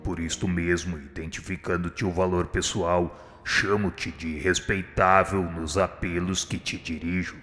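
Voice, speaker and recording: A man playing a gentle, humble spirit instructor in a radio drama, speaking with serene firmness in solemn, formal appeals. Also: deep voice, fairly even intonation, measured pace, hardly any pauses. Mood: respectful appeal. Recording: long hall reverb, faint music. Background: faint music.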